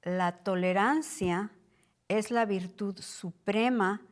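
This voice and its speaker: A middle-aged woman co-leads a Bible study, speaking very slowly and deliberately. She repeats her key lines so they sink in. Her pitch is in the middle range for a woman. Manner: slow, deliberate, repeats points for emphasis. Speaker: co-pastor teaching a Bible study.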